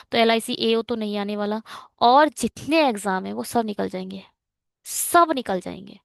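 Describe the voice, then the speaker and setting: Woman, high voice, bit of vocal fry, chatty exam-prep teacher. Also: fairly bright tone, dry recording, studio quality. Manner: chatty, mixes Hindi and English, rants at exam setters. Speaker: reasoning teacher for bank exams. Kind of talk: online exam-prep lesson.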